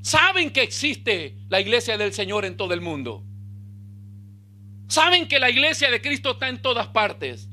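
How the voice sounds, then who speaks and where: A male pastor, preaching a sermon with bursts of emphasis and quiet low asides. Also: very animated, moderate pace.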